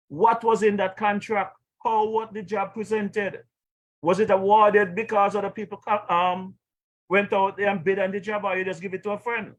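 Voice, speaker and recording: A man's voice: high-pitched, poor audio. A man with a Caribbean accent giving indignant, emphatic political commentary as the host of a live stream. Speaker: talk show host.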